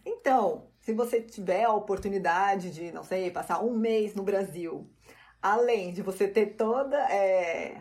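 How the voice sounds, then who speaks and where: A Brazilian woman speaking as a podcast guest, agreeing readily and speeding up when she gets into a point. She sounds engaged and easygoing, at a middle pitch for a woman. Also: unhurried, darkish tone. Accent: Brazilian Portuguese. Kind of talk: casual podcast conversation.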